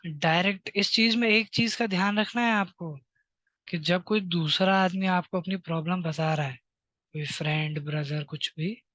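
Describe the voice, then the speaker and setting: Male teacher slowly dictating to children. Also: high-pitched, pushed and bright, no echo. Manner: slow, dictating phrases for students to repeat. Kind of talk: classroom lesson to children.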